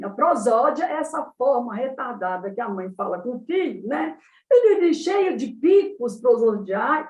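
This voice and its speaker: A woman psychologist with a Brazilian Portuguese accent, giving an animated talk on child development. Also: sits high. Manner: animated explaining, acts out mothers' baby talk. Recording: roomy sound, distant from the mic.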